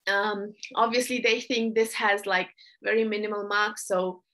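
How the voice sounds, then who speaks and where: A young adult woman tutor explaining test changes in a casual, chatty way, often apologizing and filling pauses. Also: medium pitch, steady tone, bright, forceful tone. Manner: chatty, apologetic, with frequent fillers.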